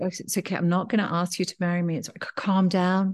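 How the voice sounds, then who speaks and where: Talking at a very fast pace, a woman with a British accent uses a fairly low pitch. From Kenya, East Africa (British family). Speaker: theologian. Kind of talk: interview, personal life story. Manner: halting, with repeated words.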